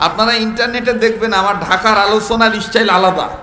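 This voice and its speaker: High-voiced preacher with Rangpur dialect. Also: male voice, fast, echoey room, in a large hall. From Bangladesh. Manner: animated storytelling, shouting rhetorical questions to the crowd. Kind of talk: humorous sermon at a religious gathering.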